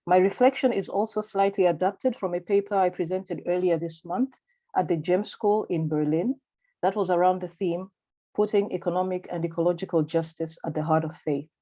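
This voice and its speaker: A woman with a Malawian accent presents a prepared conference paper. Her voice sits fairly low and sounds mellow and relaxed. She speaks in a measured, formal and deliberate way, like a lecture given over a video call. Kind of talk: reading a prepared academic paper.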